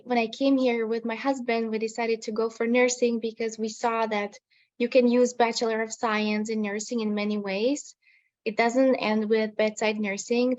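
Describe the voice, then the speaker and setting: Flat-toned woman on a call. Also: a little high. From Slovakia. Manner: careful, slightly halting speech. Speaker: nursing student panelist. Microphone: video call. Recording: dull video-call audio.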